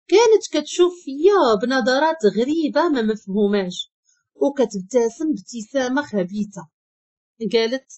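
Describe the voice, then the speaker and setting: A woman with a Moroccan accent narrating a first-person story in a lively, expressive way. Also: a little high, husky, highs cut off. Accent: Moroccan Arabic.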